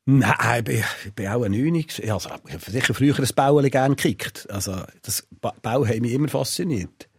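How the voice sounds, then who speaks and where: A man with a Swiss German accent, telling animated stories in a casual podcast chat. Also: fast talker, slightly rough, dry recording, clean studio sound. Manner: animated storytelling, jumps into high excited bursts.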